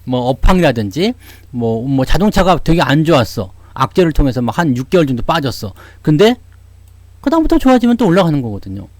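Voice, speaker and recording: A man hosting a stock market channel, explaining the market to his viewers. His fairly high voice rises and falls a lot as he poses questions and answers them himself. The sound is dry and close. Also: fairly quick, no echo. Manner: animated, asks and answers own rhetorical questions.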